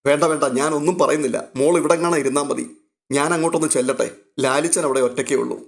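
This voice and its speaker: A man's voice: a little high, steady tone, quick pace, vocal fry. A man voicing an agitated, protective old grandfather who speaks bluntly and urgently in a storybook reading. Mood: hurried. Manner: urgent, warning tone.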